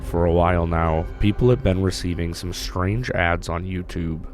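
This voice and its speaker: Deep hoarse guy narrating a youtube commentary, casual and blunt, music going underneath. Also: fairly even intonation, normal speed. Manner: casual, blunt, mildly profane. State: hoarse from recent illness. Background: background music.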